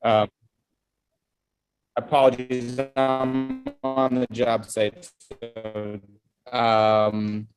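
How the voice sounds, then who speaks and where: A man presenting plans to a committee over a conference call that keeps breaking up, calling in from a job site and talking in a halting way with many fillers. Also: medium pitch, completely flat delivery, music in the background, poor audio. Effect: remote conference-call audio that breaks up. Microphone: calling in over an internet connection.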